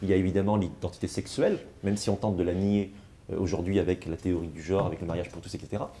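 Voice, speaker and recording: A man of Algerian descent, speaking in a panel discussion in a measured way, with frequent hesitations and repeated words. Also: sits low, steady tone, warm tone. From France, of Algerian descent. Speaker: panel guest.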